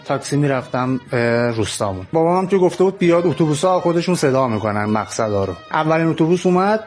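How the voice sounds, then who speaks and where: Man telling a lively anecdote. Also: a little high. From Iran. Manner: lively storyteller, acts out voices. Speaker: storyteller. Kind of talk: casual spoken anecdote. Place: his workplace.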